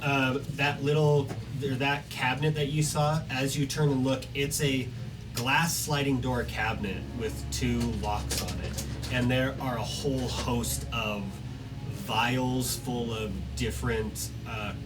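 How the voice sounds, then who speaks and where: A man running a tabletop game as game master, describing scenes in a halting way with many fillers. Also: medium pitch, fairly even intonation. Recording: distant mic, loud background music.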